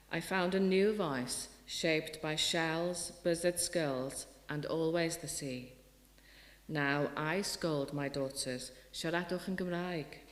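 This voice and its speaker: A middle-aged woman poet from Wales with a Welsh accent, giving an earnest festival talk and reading her poetry, often restarting her sentences. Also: low voice. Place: hall. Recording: roomy hall reverb.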